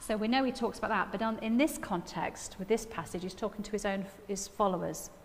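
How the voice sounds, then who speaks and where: A woman's voice: mid-range voice, fairly quick, a little hiss or hum. A middle-aged woman with a Nottingham accent gives an informal sermon in a chatty, self-deprecating manner. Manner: chatty, self-deprecating, with frequent tag questions. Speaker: preacher. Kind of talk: informal sermon with personal anecdotes. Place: church hall stage at a lectern. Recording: echoey hall with long reverb.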